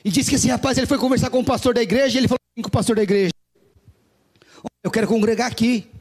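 High-pitched husky preacher. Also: male voice. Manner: emphatic, drawn-out stressed words. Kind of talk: sermon.

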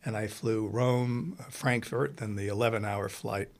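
A man's voice: on the low side, fairly even intonation, unhurried. A man from Italy hosting a casual interview, talking in an enthusiastic, rambling and effusive way. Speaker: podcast host.

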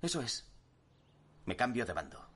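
A man acting a cocky, excitable young ringleader in a Spanish comedy dub, with a Castilian accent. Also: medium pitch, normal speed, noisy background, lightly acted. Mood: sly, confident. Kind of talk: comedy film dubbing.

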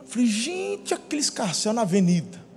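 Brazilian male pastor, very high voice, storytelling sermon, long hall reverb, faint hiss. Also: moderate pace. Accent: Brazilian Portuguese. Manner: animated, acts out scenes with shouts and laughter.

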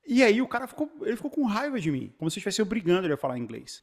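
A man from Brazil with a Brazilian Portuguese accent, telling stories in casual chat, animated and full of restarts. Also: fairly high pitch. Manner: animated storyteller, many restarts and fillers.

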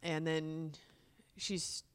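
A woman in her thirties co-hosting a podcast, telling stories casually with wry, deadpan quips. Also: deep voice, drawn-out words, clear, resonant tone. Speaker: podcast co-host. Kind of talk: casual chat.

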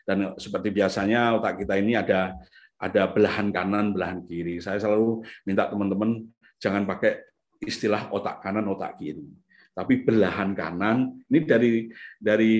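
Male seminar speaker, conversational and animated when he acts out scenes, recorded in an echoey hall. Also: fairly low pitch. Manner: conversational, many fillers like "gitu ya"; acts out parents and children in lively bursts. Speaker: lecturer on the brain and parenting. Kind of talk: casual seminar talk. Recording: echoey room.

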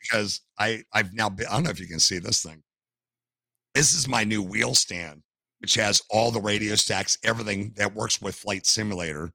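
An older American man, a retired firefighter, telling animated stories as a podcast guest over a video call. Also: lowish voice, moderate pace, creaky, no echo. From United States. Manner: animated anecdotal storyteller. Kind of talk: casual storytelling interview. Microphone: headset.

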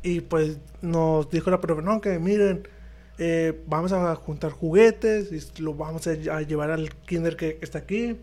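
A man's voice: fairly high pitch, measured pace, a little mellow. A young man with a Mexican accent, co-hosting a casual podcast in a laid-back, slangy way with short agreeing replies. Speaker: podcast co-host. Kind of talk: casual chat.

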